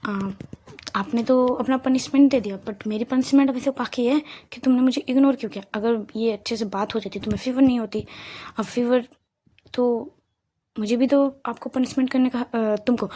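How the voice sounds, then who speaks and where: A woman's voice: on the high side, normal speed, warm tone, lightly acted. A woman voicing Sanju, a playful young woman who teases her girlfriend. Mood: teasing. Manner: teasing, playful.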